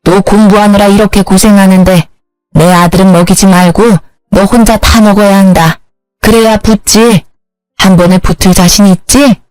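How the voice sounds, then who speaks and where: A woman's voice: mid-range voice, steady tone, moderate pace, darkish tone, no room sound, soft background music, natural voice. A woman voicing a nagging middle-aged mother-in-law who runs a hair salon and orders people about. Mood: coaxing. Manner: scolding, bossy.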